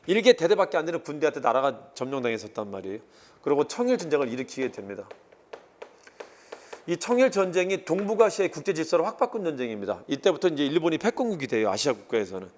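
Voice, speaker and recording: A man giving an exam-prep history lecture in a casual, animated way, briefly acting out quoted lines as he goes. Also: fairly high pitch, fast.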